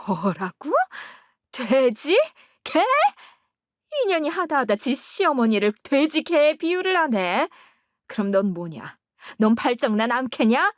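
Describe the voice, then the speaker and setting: Spiteful older mother-in-law voiced by a woman, shrill, loud, lively pitch, dry close sound. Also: slow pace, no room sound. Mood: furious. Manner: shrill, accusing, loud scolding.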